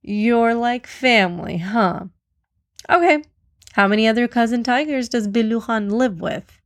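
A woman's voice: fairly high pitch, unhurried, no echo, studio quality. A woman voicing a huge, boastful male elephant in a children's story, commanding and sarcastic. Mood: sceptical.

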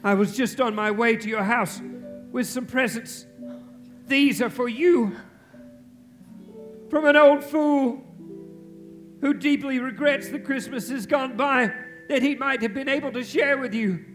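An old reformed miser, giddy and generous, in a very high voice. He speaks slowly and theatrically, with hearty exclamations, in a live stage radio play with faint music behind. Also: fairly bright tone. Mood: joyful, tender. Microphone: shared stage microphone.

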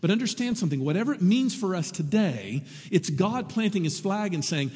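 A man preaching a sermon to his congregation, lively and animated, with wry asides. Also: sits high, brisk, breathy edge, big-room sound. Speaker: pastor.

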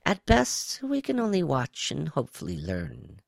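A man's voice: on the high side, wildly swooping pitch, moderate pace, creaky, no echo, studio quality, pitched above the performer's own voice, heavily acted. A man voicing a reptilian alien spy in an audiobook story, with a lilting, nonchalant manner. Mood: explanatory. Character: high-pitched reptilian alien spy, casual, sly intelligence officer.

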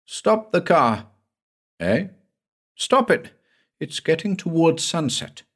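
A man acting out a haunted grown man in a spoken horror tale, his voice flung far above the reader's own, shrill and cracking with dread. He pleads and shrieks, pitch leaping about wildly. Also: big pitch swings, slow, a bit bright, full character voice. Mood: frightened. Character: terrified grown man, hysterical, haunted by visions.

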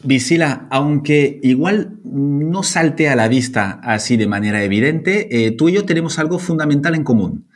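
Lively, husky male podcast host. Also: on the high side, normal speed, hardly any pauses. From France. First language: French. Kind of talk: podcast introduction and interviewing.

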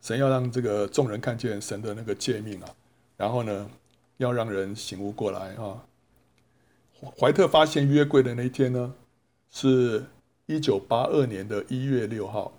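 A man preaching a storytelling sermon in a voice of ordinary, middle pitch. He keeps stopping to ask his listeners a rhetorical question, then answers it himself. He draws out the small particles at the ends of his lines. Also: a little mellow. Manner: drawn-out sentence-final particles. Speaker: Bible teacher.

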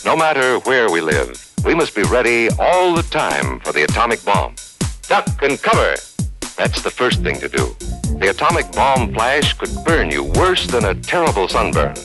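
Grave 1950s civil defense narrator, lively low-voiced man. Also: moderate pace. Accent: American. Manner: earnest, instructive, addressing children. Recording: vintage film soundtrack with music behind.

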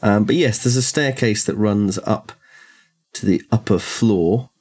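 Lowish-voiced guy running a tabletop game, lots of ums, feeling his way through a room layout. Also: a little mellow, breathy edge. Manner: halting, many ums while describing. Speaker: game master. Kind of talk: describing a scene in a tabletop game.

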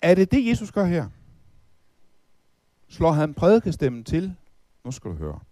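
A man's voice: fairly high pitch, wildly swooping pitch, dark tone, no echo. A middle-aged man preaching a Bible teaching talk, asking rhetorical questions and reciting hymn verses.

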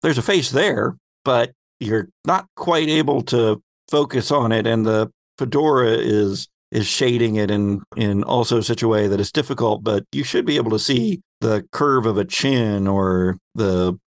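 A man's voice: on the low side, measured pace, hardly any pauses, no room sound. Man narrating a tabletop game, dry close sound. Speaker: game master and host.

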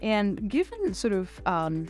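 A middle-aged woman from the United Arab Emirates giving conversational interview answers as a finance executive, often pausing and rephrasing as she goes. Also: mid-range voice, big pitch swings, darkish tone, faint music behind.

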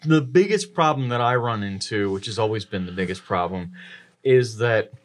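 A man co-hosting a podcast, telling casual anecdotes in an animated way. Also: on the low side, normal speed. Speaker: podcast co-host.

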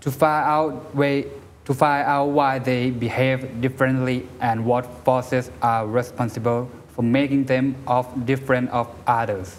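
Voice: medium pitch, little pitch movement, drawn-out words, slight background noise. A student reading an English passage aloud in a lesson, carefully, and repeating the teacher's corrections.

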